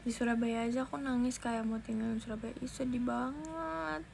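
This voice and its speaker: A woman's voice: a little high, steady tone, normal speed, vocal fry, darkish tone, slight background noise. A young woman, chatting casually to viewers on a phone livestream and thanking them by name. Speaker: idol livestreamer.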